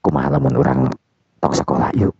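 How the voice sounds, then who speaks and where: Storybook young charmer, man voices him: deep, husky, reassuring, coaxing. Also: very animated, fast talker, a little mellow, no echo, full character voice. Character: handsome young man Raka, smooth persuader. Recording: dull dry lo-fi recording.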